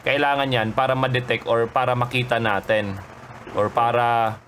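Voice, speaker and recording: A man's voice: mid-range voice, level tone, normal speed, a bit bright, slight background noise. A man with a Filipino accent explaining gear step by step in a casual, conversational vlogger style, mixing in English phrases. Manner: conversational, switches between Tagalog and English. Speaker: motovlogger and presenter.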